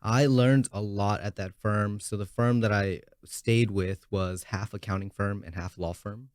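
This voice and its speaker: A young adult man answering interview questions in a calm, measured way. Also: on the low side, dry recording, clean studio sound. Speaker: interview guest. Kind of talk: casual interview.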